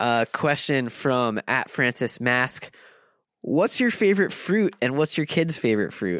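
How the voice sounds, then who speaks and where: A man with an American accent, fairly slow, with very even loudness and very wide pitch swings, in a dry, close, echo-free, very clean recording over a silent background. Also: medium pitch for a man. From Pennsylvania. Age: 30s. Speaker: podcast host, photographer. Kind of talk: casual interview. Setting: studio.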